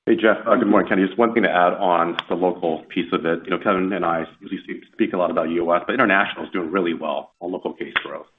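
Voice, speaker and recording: A male company executive adding figures to an answer on an earnings call, brisk and upbeat. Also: deep voice, fairly even intonation, slight background noise. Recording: tinny phone line.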